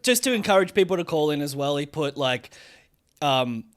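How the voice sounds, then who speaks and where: A man's voice: fairly high pitch, animated, normal speed. A man with an Australian accent co-hosting a comedy podcast, laid-back and full of fillers. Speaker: podcast co-host. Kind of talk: casual comedy podcast chat.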